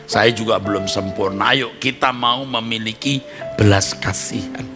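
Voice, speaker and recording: A middle-aged man preaching a sermon as pastor, talking in a conversational way, acting out short everyday dialogues and breaking into sudden high emphatic bursts. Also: steady tone, a little slow. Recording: music playing underneath.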